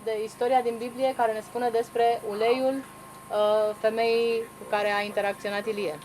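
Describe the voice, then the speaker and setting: A woman's voice: fairly high pitch, level tone, darkish tone, a little hiss or hum, poor audio. A woman interpreting a seminar aloud, hesitating and restarting as she translates. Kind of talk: consecutive interpreting.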